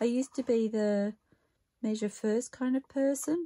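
A soft-spoken woman talks at a fairly slow pace in a fairly high pitch. Her tone is dark and mellow. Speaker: craft YouTuber. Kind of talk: craft tutorial vlog. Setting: home craft room. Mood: relaxed, cheerful. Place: home room.

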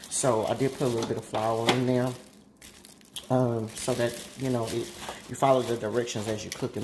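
The pace is fairly quick. Noticeable background noise is present. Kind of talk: cooking tutorial. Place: kitchen. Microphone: phone near.

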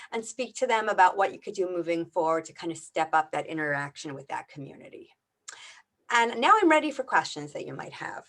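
At a fairly quick pace, a woman talks with very wide pitch swings. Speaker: consultant presenting survey results. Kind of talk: presentation at a township board meeting. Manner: fast.

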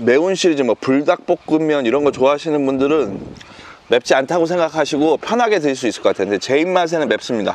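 Very fast speech with lively intonation comes through a dry sound with no echo and light background noise. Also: man. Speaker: food vlogger. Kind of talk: casual eating vlog chat. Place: open country. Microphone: lapel.

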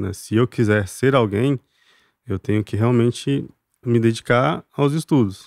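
Recorded very cleanly against a silent background, dry and close with no echo, a man talks fairly slowly at a medium pitch with ordinary pitch variation. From Brazil, countryside. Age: 30s. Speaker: veterinarian. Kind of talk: casual interview.

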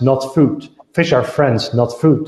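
Amid audible room echo, a man speaks at a fairly slow pace with a fairly high pitch and fairly even intonation. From Belgium / Italy; Belgium. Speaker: fintech entrepreneur; speaker. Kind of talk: panel discussion. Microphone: earbuds.

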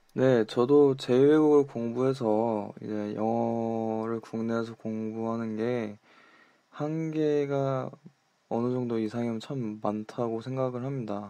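Dark, mellow tone from a man at medium pitch, very slow pace and fairly even intonation. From Korea and Australia. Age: 20s. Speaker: graduate student. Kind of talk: interview.

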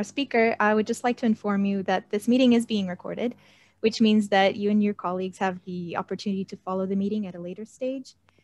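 A woman at a very fast pace, fairly high pitch and ordinary pitch variation. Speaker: webinar moderator. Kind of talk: formal moderation. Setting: video call. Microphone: video call.

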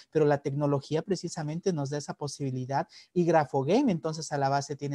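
Against a quiet background with a dry sound with no echo, a man with a fairly high pitch and a dark, mellow tone speaks at a very fast pace, somewhat breathy, with fairly even intonation. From Mexico. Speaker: academic researcher; webinar presenter. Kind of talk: webinar lecture. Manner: halting, repeats words. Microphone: video call.

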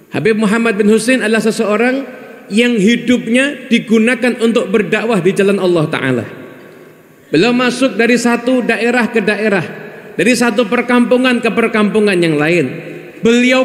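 A man with an extremely high pitch talks at a moderate pace with ordinary pitch variation. Room echo is audible. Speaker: speaker. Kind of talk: sermon. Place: hall. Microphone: podium.

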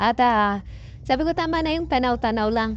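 A woman speaks at a moderate pace in a high pitch. Her pitch swings very widely. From Quezon province, Philippines. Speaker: vlogger. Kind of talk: travel vlog narration.

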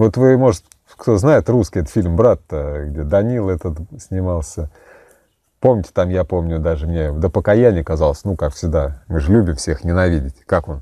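The voice has a dark, mellow tone and a moderate pace. The sound is dry with no echo, over a quiet background. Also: man. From central Russia. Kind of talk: video sermon. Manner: animated. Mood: relaxed, smiling. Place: garden. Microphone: lapel.

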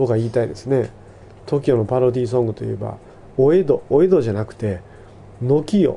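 A man with a dark, mellow tone and somewhat breathy delivery speaks with lively intonation. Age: 50s. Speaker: radio show host, writer. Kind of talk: solo radio monologue.

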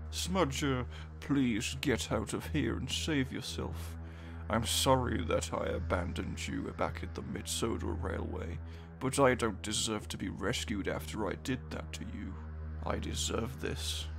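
Over loud background music, a man does a put-on character voice, very deep and low, at a moderate pace. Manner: guilt-ridden.

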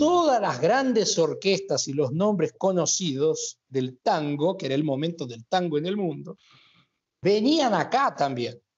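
With an Argentine accent, a man speaks in a high pitch with very wide pitch swings over a quiet background. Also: fairly slow pace. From Brazil. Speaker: tango singer. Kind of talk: interview answer. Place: home room.

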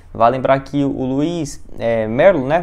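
A man speaks with fairly high pitch. His intonation is lively. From Brazil. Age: 20s. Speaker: football news youtuber. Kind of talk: casual monologue to camera. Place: home room. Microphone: lapel.

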